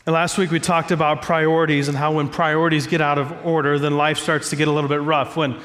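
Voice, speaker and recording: A man's voice: on the high side, flat delivery, brisk, fairly bright tone, long reverb tail. A man preaching a sermon as pastor, stuffy from a cold, talking in a conversational, self-joking way from a church stage.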